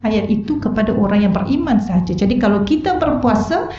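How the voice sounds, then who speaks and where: A woman's voice: mid-range voice, animated, fairly quick, mellow. A middle-aged Malaysian woman giving a religious lecture in a mosque hall, earnest and asking the audience rhetorical questions. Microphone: wireless mic. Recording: roomy, dull-toned hall recording.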